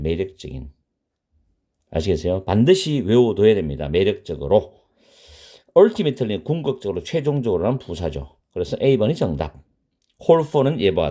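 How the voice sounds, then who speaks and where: A man with a Gyeongsang accent speaks in a fairly low, dark, mellow voice with vocal fry and very wide pitch swings, pausing long and often over a quiet background. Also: moderate pace. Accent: Gyeongsang dialect, noticeable. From Korea, Gyeongsang region. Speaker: English test tutor. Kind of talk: tutorial.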